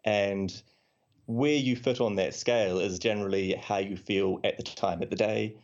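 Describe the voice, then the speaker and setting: New Zealand man, lowish voice, dull lo-fi recording, dry casual podcast guest. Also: fairly even intonation, moderate pace. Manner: dry, joking, explanatory. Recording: dull lo-fi audio.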